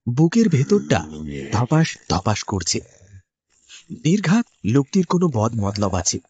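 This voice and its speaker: A man's voice: medium pitch, very animated, measured pace, a little mellow, breathy edge, no echo, dull audio. A man narrating a horror cartoon in the first person, in a tense, dramatic storytelling manner. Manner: tense, storytelling delivery with sudden rises.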